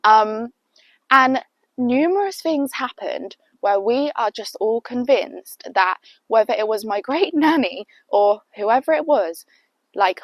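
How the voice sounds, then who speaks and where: A woman's voice: medium pitch, no room sound. Young British woman, sniffly with a cold, rambling storyteller, close dry sound. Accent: British English. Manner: chatty and rambling, heavy use of "like". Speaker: vlogger. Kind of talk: casual storytime chat.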